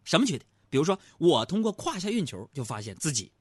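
A man's voice: on the high side, sing-song, fast talker, very noisy. A middle-aged man, hosting a comic storytelling monologue. He is chatty and teasing and keeps asking his audience rhetorical questions. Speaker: comedy talk show host.

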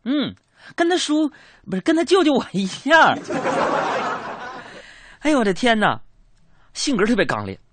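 Lively young man doing stand-up. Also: extremely high pitch, a little slow, pauses often, background noise. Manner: chatty storytelling with colloquial asides and self-mocking punchlines. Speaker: comedian. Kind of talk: stand-up comedy monologue.

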